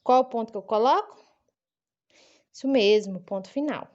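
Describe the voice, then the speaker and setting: A woman teaching a children's lesson, speaking slowly and clearly in a sing-song manner for young kids. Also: a little high, darkish tone, dull audio. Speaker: primary school teacher. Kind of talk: recorded online lesson for children.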